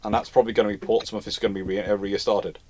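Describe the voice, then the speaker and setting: A man's voice: fairly low pitch, flat delivery, rapid-fire, a little mellow. A man hosting a live history Q&A in casual expert discussion, often repeating and rephrasing himself as he goes. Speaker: host of a live naval history Q&A.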